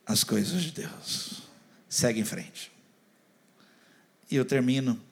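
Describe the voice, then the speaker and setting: A man preaching a sermon who swings between loud, animated urging and soft, close appeals, often putting questions to the congregation. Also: medium pitch, slow, vocal fry. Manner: addresses the congregation directly, asking questions.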